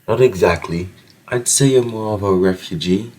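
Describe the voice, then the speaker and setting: A man playing a loyal, chivalrous nobleman in an audio drama, soft and husky, speaking with courteous, earnest, old-fashioned phrasing. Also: lowish voice, moderate pace, a little hiss or hum, natural voice. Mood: gentle reassurance. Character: gentle, loyal, chivalrous nobleman, protective and solemn.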